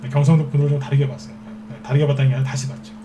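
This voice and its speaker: A man's voice: medium pitch, level tone, very fast, noisy background. A man giving a stock trading lecture as a market expert, who keeps asking rhetorical questions and answering them himself. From Seoul capital region.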